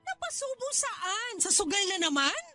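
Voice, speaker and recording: An anguished girlfriend in a radio drama, her voice very high and swooping. She is exasperated and emotional, pleading with her man over a music bed. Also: sing-song, moderate pace, pushed and bright, heavily acted. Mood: wary, annoyed. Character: fed-up, anguished live-in girlfriend of a gambler.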